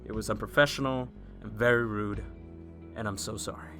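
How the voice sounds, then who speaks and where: Earnest apologetic newspaper man, lowish voice, radio play, faint music behind. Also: fairly even intonation, fairly quick, a bit bright. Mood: sheepish, apologetic. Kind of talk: audio drama acting.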